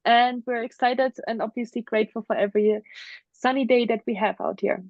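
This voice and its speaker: A woman's voice: fairly high pitch, fairly even intonation, a little fast, no echo. German-accented woman in her thirties, interview guest, earnest and open, muffled dry video-call sound. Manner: open, earnest, frequent ums. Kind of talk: casual interview, personal story. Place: home in the mountains.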